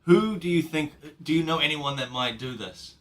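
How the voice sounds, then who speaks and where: A man's voice: fairly high pitch, animated, normal speed, fairly bright tone. A man playing a tabletop game, speaking plainly and matter-of-factly. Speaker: player. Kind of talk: casual tabletop play. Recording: distant mic.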